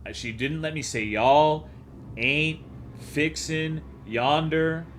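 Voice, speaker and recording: A man's voice: a little high, slow pace, fairly bright tone, a little hiss or hum. A man from Texas, a streamer chatting casually in sarcastic, profane, rambling asides.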